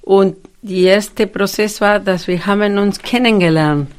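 A woman's voice: mid-range voice, steady tone, measured pace, clean tone. A woman from Argentina speaking German with an Argentine Spanish accent as a non-native speaker, earnestly recounting her association's history in an interview. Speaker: founding member of a Latin American association.

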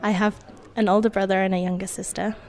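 In a mid-range voice with little pitch movement, an Indonesian-born woman whose native language was Indonesian recounts something from her own life. She takes her time, sounds wry, and laughs softly now and then.

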